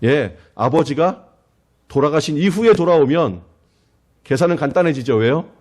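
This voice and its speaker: A man's voice: fairly high pitch, expressive, moderate pace, darkish tone. A male pastor preaching a sermon in a church, dramatizing quotes and rhetorical questions. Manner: dramatic, acting out quoted voices with rising intensity.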